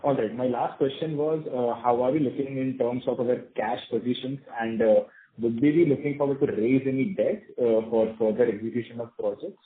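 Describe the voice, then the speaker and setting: A man's voice: medium pitch, steady tone, a little fast. Indian-accented male analyst, echoey tinny phone. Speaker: investment analyst caller. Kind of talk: asking questions on earnings call.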